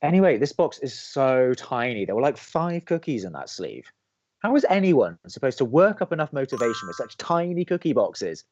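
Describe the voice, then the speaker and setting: A man's voice: mid-range voice, very animated, moderate pace, a little mellow, no room sound, dull audio, natural voice. A man playing an exasperated young college radio DJ, bantering with dry sarcasm and a defensive edge. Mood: dry, grumbling. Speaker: radio host.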